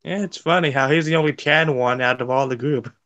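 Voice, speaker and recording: A man's voice: mid-range voice, a little fast, a bit bright, lo-fi sound. A man co-hosting a casual movie riff, dropping dry, teasing one-liners. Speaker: co-host.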